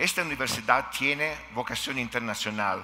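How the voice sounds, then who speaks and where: A man with an Italian accent talks at a fairly slow pace over noticeable background noise. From Italy. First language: Italian (speaking Spanish). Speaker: philosophy professor. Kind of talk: conference talk. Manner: halting.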